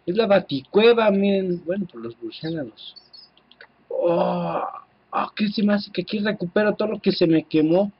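A Mexican man commentates his game for his viewers, excitable and quick to swear. His voice is husky and sits a little high. The sound is dull and lo-fi, like a cheap home microphone. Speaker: gameplay commentator. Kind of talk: casual let's-play commentary.

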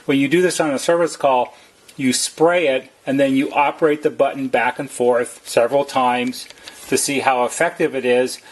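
A man with a slightly husky voice narrates a how-to as a service technician, explaining plainly and methodically, step by step. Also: medium pitch, fairly even intonation, normal speed. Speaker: service technician giving a tutorial.

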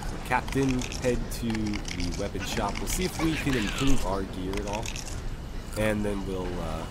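Male let's-play host, low voice, recovering from being sick, relaxed and filler-heavy. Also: a little slow, heavy background noise. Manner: relaxed, thinking aloud with many fillers. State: recovering from lost voice. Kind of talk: casual gameplay commentary.

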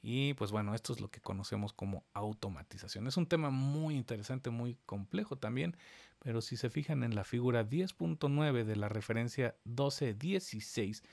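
A man, giving a step-by-step screen-recorded software lesson and talking straight to his viewers. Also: medium pitch, gravelly. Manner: explains step by step, addressing viewers directly. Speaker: instructor.

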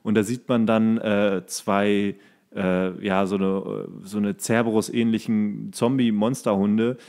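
A man's voice: lowish voice, level tone, measured pace, a little mellow. A man co-hosting a casual podcast chat in a rambling, jokey way. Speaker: podcast co-host.

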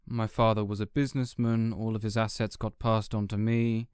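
A man's voice: lowish voice, level tone, moderate pace, a little mellow, clear, resonant tone, no room sound, close to an everyday voice. Reserved, self-doubting villain businessman, male actor, audio roleplay, close dry sound. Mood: resigned. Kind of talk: character audio roleplay acting.

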